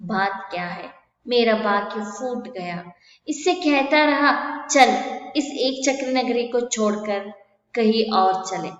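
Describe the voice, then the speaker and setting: A woman's voice: fairly high pitch, a little slow. A woman, teaching a story lesson. She reads each line and then explains it again. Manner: reads Hindi lines, then retells them in Kannada. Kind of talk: explaining a Hindi textbook story in Kannada. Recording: echoey room, dull sound.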